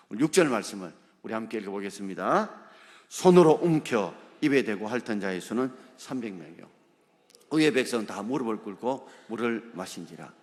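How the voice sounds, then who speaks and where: With a fairly low voice and a lively, swooping delivery, a pastor preaches a sermon, pressing points through questions tossed to the congregation, his words echoing with long, ringing reverb in a church sanctuary.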